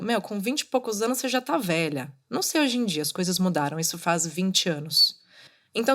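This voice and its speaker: On the high side and fairly bright, this woman's voice anchors her solo podcast. In her thirties, she talks casually, coaching listeners directly in a motivational monologue.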